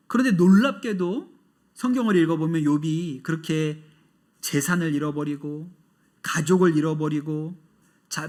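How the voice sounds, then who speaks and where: A pastor giving a sermon in a church service, conversational and expressive. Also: male voice, on the high side.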